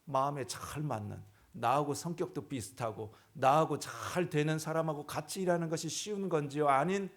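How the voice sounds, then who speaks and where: A man's voice: a little high, normal speed, hardly any pauses. A male pastor preaching a sermon in a church, posing rhetorical questions to the congregation.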